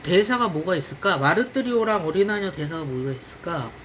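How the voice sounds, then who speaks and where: Female livestream host, upbeat and announcing, with a lively melody. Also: on the low side, brisk, a little hiss or hum. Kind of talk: casual livestream hosting.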